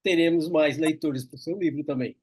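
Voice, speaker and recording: A man with a high, husky voice hosts an interview. He speaks reflectively and brings in a personal story as he talks with his guest. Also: normal speed, darkish tone, no room sound. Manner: reflective, tells personal anecdotes. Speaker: interview host. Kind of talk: casual interview chat.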